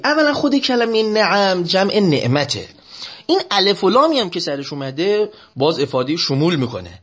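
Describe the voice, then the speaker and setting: A man giving a sermon that explains Arabic prayers. He chants the prayer lines slowly and drawn out, then explains them more quickly, often urging listeners to pay attention. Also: on the high side, slightly rough. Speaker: religious lecturer.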